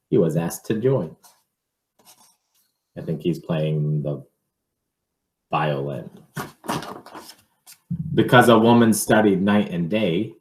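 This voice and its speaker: Echoey room, guy reading a picture book to kids, really slow and expressive, chatty little asides. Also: low-pitched. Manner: measured, expressive, pausing to wonder aloud. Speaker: reader, teacher reading a picture book aloud. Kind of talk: picture-book read-aloud with informal asides to children.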